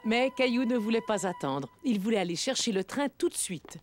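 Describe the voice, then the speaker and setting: Lady doing gentle cartoon storyteller narration, very expressive, music under her. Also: fairly high pitch, a little fast, natural voice. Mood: gentle, storytelling. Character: gentle female storyteller of a children's tale. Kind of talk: scripted children's story narration.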